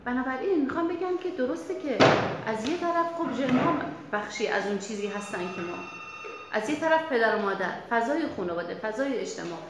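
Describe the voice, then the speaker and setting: A woman's voice: a little high, background noise. Woman lecturing in an echoey room. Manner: lively, explanatory, chatty with the audience. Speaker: psychologist leading a workshop. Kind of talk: workshop lecture. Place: workshop room.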